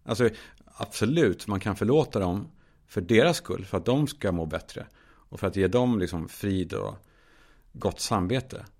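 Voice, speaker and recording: A man's voice: fairly low pitch, lively intonation, creaky, a little mellow. A man hosting his own podcast, talking in a candid, musing solo monologue, swearing casually with lots of fillers and restarts. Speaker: podcast host.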